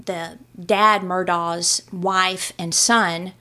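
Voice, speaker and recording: A woman's voice: on the low side, fairly even intonation, very slow, sharp tone. Chatty woman hosting a podcast. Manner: chatty, rambling storyteller. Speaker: podcast host. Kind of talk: casual chat about a true crime case.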